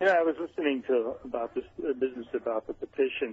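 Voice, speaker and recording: Lively intonation at a moderate pace from a man with an unremarkable speaking voice, fairly high in pitch. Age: 60s. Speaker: caller. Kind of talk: casual chat.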